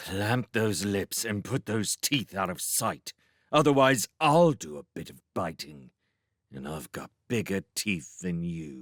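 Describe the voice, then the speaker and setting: Putting on a growling character voice, a man speaks fairly slowly at a fairly low pitch. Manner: fierce, growling, threatening.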